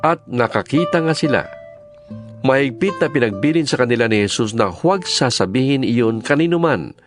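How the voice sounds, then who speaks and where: Guy narrating an audio bible, mid pitch, really animated, music playing behind. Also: normal speed. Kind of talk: dramatized scripted scripture narration.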